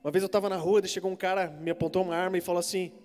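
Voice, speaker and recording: A young man from preaching a sermon to a congregation, telling stories animatedly and acting out the voices, swinging between loud exhortation and hushed asides. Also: high-pitched, flat delivery, very fast. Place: church hall. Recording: reverberant church hall with faint music.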